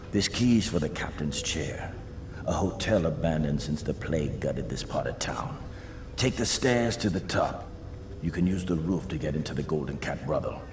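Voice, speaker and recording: An actor playing a gruff, shrewd middle-aged street gang boss in a video game, with a gravelly voice and a sly, streetwise drawl. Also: male voice, extremely low pitch. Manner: sly, folksy streetwise drawl, ungrammatical slang. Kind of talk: video game character dialogue. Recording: echoey reverberant hall with background noise.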